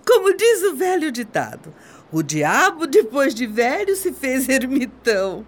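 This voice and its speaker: An actress with a Brazilian accent playing a bitter, haughty middle-aged wife in a radio soap opera, mocking and theatrical. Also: female voice, high-pitched, sing-song, unhurried, heavily acted. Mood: mocking, scornful. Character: bitter, scornful middle-aged wife leaving her husband.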